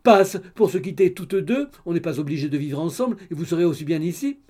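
A man voicing a gossipy, excitable middle-aged mother in an audiobook, chattering in a raised, exclamatory voice. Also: on the high side, brisk. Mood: scandalized. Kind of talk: audiobook character reading.

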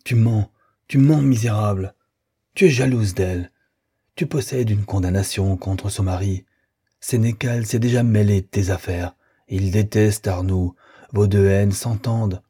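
A bitter young lover, read by a man narrating a novel, spitting accusations and then turning icily contemptuous. The voice is low, dark and very husky. He sounds wounded and unforgiving. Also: steady tone, a little slow. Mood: accusing.

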